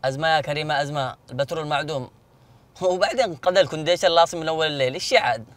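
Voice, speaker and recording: An actor playing an exasperated driver who argues with passengers, with a Yemeni accent. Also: male voice, a little high, no echo, natural voice. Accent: Yemeni Arabic. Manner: rapid, exasperated arguing. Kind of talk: TV drama acting.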